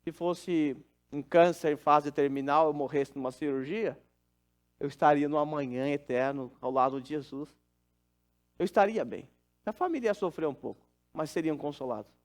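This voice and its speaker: A man's voice: a little high, normal speed. A middle-aged man, preaching a sermon as pastor and telling a personal story in an earnest, conversational way.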